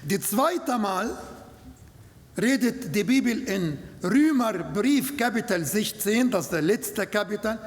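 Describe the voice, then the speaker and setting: A man whose first language is Arabic preaches in careful, halting German, his voice pitched high for a man. He speaks slowly and deliberately, and a long reverb trails after his words. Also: lively intonation. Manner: slow, halting German with non-native grammar. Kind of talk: sermon.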